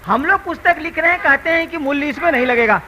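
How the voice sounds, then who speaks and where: A man's voice: extremely high pitch, lively intonation, fast talker, pushed and bright, a little hiss or hum, rough recording. An older man giving a spiritual discourse as a teacher, telling stories in a conversational, earnest and emphatic way.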